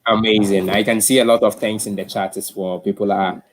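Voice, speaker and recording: A man's voice: fairly low pitch, level tone, brisk, a little hiss or hum. A man hosting an online tech talk in an informal, effusive way, often repeating himself. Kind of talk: informal live-stream hosting.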